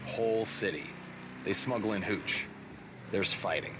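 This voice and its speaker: Resigned night attendant, low-leaning voice, unhurried grumble, noisy game ambience. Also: male voice, lively intonation. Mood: weary, grumbling. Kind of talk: naturalistic cinematic game acting.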